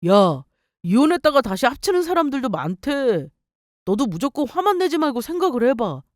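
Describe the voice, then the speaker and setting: A woman's voice: sits high, big pitch swings, normal speed, no echo, studio quality. A woman voicing a clingy, self-pitying ex-husband in a dramatized story reading, pleading and whining. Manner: whiny, pleading.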